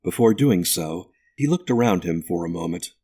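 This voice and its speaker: Deep, husky male narrator. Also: animated, normal speed, mellow. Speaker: audiobook narrator. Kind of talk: scripted narration of a ghost story.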